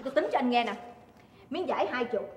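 A woman's voice: animated, quick pace. An actress with a Southern Vietnamese accent playing a middle-aged jealous wife who scolds and mocks her husband in a stage comedy. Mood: nagging. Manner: shrill, scolding, sarcastic. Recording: roomy stage hall, faint noise.

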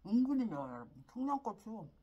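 A woman's voice: fairly high pitch, sing-song, quick pace, breathy edge, muffled recording. A woman talking to her viewers while chewing food, exclaiming in a casual eating vlog. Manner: talks to viewers between bites, exclaims about the heat. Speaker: mukbang creator.

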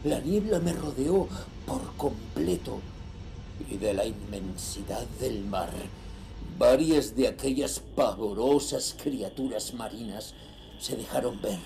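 An actor from playing a ruthless sea trader, narrating his grim confession slowly and gravely in a horror audio drama. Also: mid-range voice, animated, dark tone, slight background noise. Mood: ominous awe. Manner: slow, grave, dramatic delivery.

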